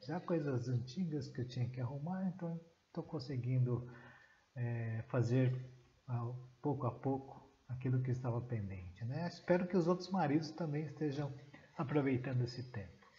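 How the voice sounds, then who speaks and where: A man talks at medium pitch and a moderate pace, in a dark, mellow, somewhat breathy tone with ordinary pitch variation. Audible room echo surrounds his voice. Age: 50s. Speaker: pastor. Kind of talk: sermon. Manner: halting.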